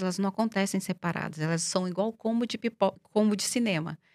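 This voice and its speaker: A woman with an unremarkable speaking voice talks at a fairly quick pace, at medium pitch with ordinary pitch variation. The sound is dry and close, with no echo. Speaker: clinical psychologist. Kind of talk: interview.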